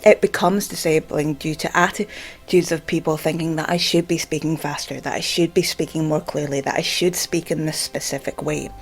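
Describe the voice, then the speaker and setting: Scottish female vlogger, low voice, stammers, halting informal delivery padded with fillers, music underneath. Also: steady tone. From Scotland. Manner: halting, with frequent repeated filler words. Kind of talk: informal explainer to camera.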